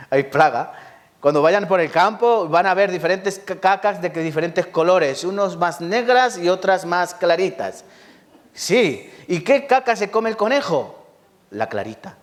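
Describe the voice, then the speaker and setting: A Spanish pastor preaches a Sunday sermon, his voice sitting a little high for a man. He repeats words for emphasis and throws questions to the congregation, with frequent laughs. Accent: Spain Spanish. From Spain. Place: church.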